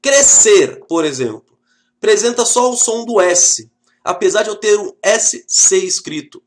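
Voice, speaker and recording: A Brazilian male teacher with a notably high voice gives a lively video lesson. He jokes with the class and checks in with them as he explains. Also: a little slow, a little hiss or hum. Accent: Brazilian Portuguese. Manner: lively, joking, talks straight to the class.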